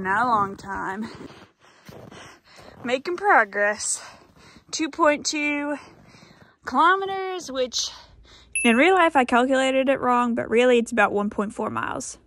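A young adult woman chatting casually to camera as a solo hiking vlogger, somewhat out of breath, musing in short halting phrases. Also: a little high, dry recording. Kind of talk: casual vlog chat to camera while hiking. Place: outdoors on a snowy mountain trail. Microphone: handheld phone at arm's length.

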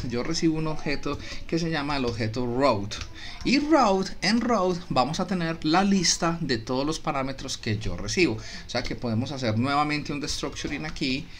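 A man's voice: a little high, fairly bright tone, a little hiss or hum. A man with a Colombian Spanish accent teaching a coding lesson over a screen recording, explaining step by step and often repeating and correcting himself. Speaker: programming instructor. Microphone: desktop mic, voice-over on screen capture.

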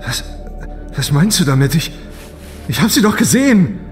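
A man acting as a distraught young space traveller in a sci-fi audio drama. His fairly high voice is halting, confused and emotional, stammering with self-doubt. Music plays clearly behind him. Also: big pitch swings. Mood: confused, agitated.

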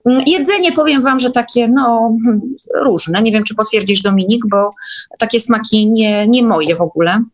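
Chatty woman with a highish voice. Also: moderate pace. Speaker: guest. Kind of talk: casual chat in an online meeting.

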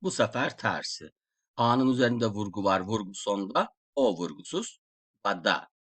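A man giving a slide-based language lesson, explaining slowly and repeating example words aloud. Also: fairly low pitch, animated, fairly bright tone, breathy edge. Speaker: Russian language teacher.

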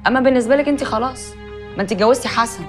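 A woman's voice: fairly high pitch, racing, natural voice. An actress as a stern, scolding Egyptian woman. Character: stern woman lecturing her relatives. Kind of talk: TV drama acting. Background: music.

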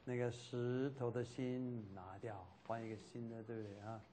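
A man's voice: medium pitch, level tone, moderate pace, warm tone, a little hiss or hum. A man teaching a Christian class, speaking in a loose, repetitive way and dropping in English fillers like "OK".

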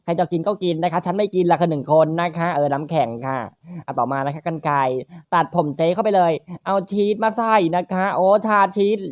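A gaming channel host, giving playful, crude let's-play commentary in quick teasing banter. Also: no echo, highs cut off. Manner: crude, teasing, rapid banter with frequent high laughs.

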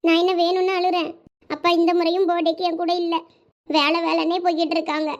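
A woman's voice: extremely high pitch, flat delivery, quick pace, muffled recording. A woman with a Thoothukudi Tamil accent playing a sulky teenage girl who complains about her birthday.

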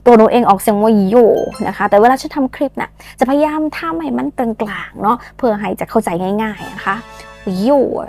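A woman from Thailand, speaking, teaches English phrases in a playful, teasing way and drills slow, drawn-out pronunciation. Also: a little high, darkish tone, soft background music. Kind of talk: lesson with repeat-after-me drills.

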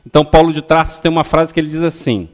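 A man's voice: fairly high pitch, quick pace. Older man giving a didactic religious lecture. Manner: didactic, ends phrases with checking questions; stands and gestures while speaking. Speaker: lecturer at a spiritist center. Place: indoor lecture hall with seated audience.

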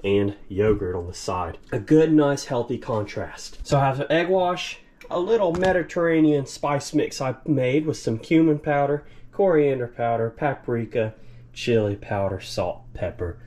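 Man over clearly noisy audio. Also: mid-range voice, lively intonation, a little slow, a little mellow. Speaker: fishing and cooking vlogger. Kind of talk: casual instructional narration while working. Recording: noisy action-camera audio, outdoors and kitchen.

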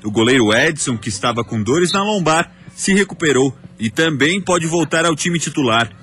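Male reporter, fairly high voice, formal read, soft music behind. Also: expressive, moderate pace. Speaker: sports reporter. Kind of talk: scripted news narration. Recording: voice-over with faint music.

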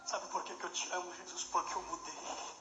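A man's voice: high voice, flat delivery, fairly quick, lightly acted. A man with a Brazilian Portuguese accent voicing the disciple Peter, earnest and subdued. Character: Peter, a humbled, repentant disciple. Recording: echoey hall with music.

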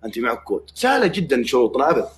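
A man's voice: mid-range voice, very animated, rapid-fire, slight background noise. A man with a Saudi accent hosting a livestream, chatting casually with joking, mock-threatening banter. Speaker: livestream host.

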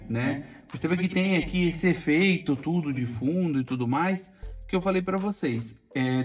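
Brazilian man demoing gear in his car. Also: fairly high pitch. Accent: Brazilian Portuguese. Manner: chatty, explanatory, frequent "olha" and "tá?". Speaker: car channel host. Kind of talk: casual tutorial demo. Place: inside a parked car.

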